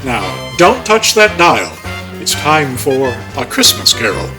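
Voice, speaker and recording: A man's voice: mid-range voice, big pitch swings, slow. A man announcing a radio drama and its cast in old-time broadcast style. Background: music.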